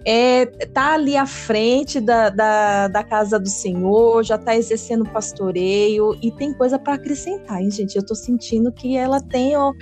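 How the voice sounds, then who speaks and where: A woman's voice: fairly high pitch, measured pace, few pauses, darkish tone. Chatty Brazilian woman hosting a podcast. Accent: Brazilian Portuguese. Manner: chatty, with frequent fillers and tag questions. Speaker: podcast host. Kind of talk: casual Christian podcast chat. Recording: faint background music.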